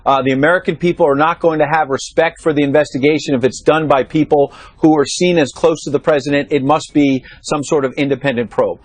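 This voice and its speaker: A man's voice: on the high side, fairly even intonation, no echo. Explaining male news correspondent, dry sound. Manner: measured, explanatory, with frequent "uh" fillers. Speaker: White House correspondent. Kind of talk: live news panel analysis. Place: studio or remote link from Washington.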